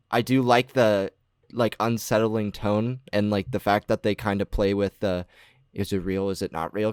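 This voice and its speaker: A man's voice: on the low side, smooth, no echo, clean studio sound. A young man from Arizona co-hosting a podcast, talking in a laid-back, hedging way. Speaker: podcast co-host. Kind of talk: casual podcast chat.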